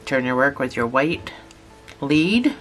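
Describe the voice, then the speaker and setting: A channel host talking through a lesson step by step, patient and repetitive, a little hoarse from a cold. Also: mid-range voice, big pitch swings, slow pace, over music. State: has a cold, losing voice. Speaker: instructor. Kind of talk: step-by-step tutorial narration.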